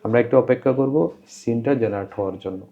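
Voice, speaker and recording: A man presents an informal screen tutorial in a medium-pitched voice, explaining each step plainly and briskly and often repeating himself. The voice-over sounds dull, somewhat muffled, and lo-fi.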